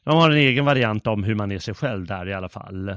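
A man's voice: fairly low pitch, expressive, fairly bright tone, dry recording, studio quality. A man co-hosting a literature podcast, retelling a play in amused, casual talk with many fillers. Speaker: podcast co-host. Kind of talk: casual chat about literature.

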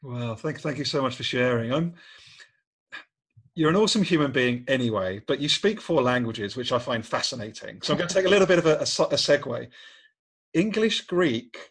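A man's voice: mid-range voice, lively intonation, a little fast, a bit bright, breathy edge. A man hosting a podcast interview, enthusiastic and complimentary, with loose, rambling phrasing. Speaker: podcast host. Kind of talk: warm interview chat.

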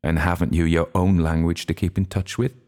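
A man's voice: low-pitched, level tone, fairly quick, a little mellow, close to an everyday voice. A man voicing a zealous, teasing young woman who presses with pointed questions. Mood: insistent.

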